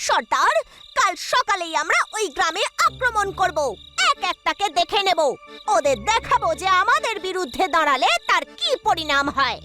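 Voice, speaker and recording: An actor voicing an excitable, boastful cartoon bandit sidekick who declaims dramatically to please the boss. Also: extremely high pitch, normal speed. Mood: boastful, threatening. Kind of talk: cartoon voice acting. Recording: loud music behind the voice. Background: loud cartoon music.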